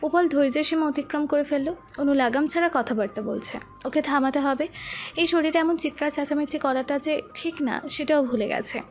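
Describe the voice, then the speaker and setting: High-voiced woman narrating a romance story. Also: normal speed, soft background music. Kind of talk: scripted audio-story narration.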